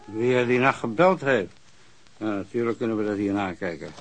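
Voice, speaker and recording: A man plays an alarm centre clerk in a radio drama. He is factual but a little hesitant, in a lowish voice. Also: normal speed, slight background noise, lightly acted. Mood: matter-of-fact. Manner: hesitant, matter-of-fact.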